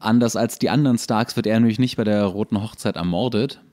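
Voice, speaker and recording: A man co-hosting a podcast, casually recapping a story in a halting, stop-and-start way. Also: lowish voice, a little mellow. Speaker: podcast co-host.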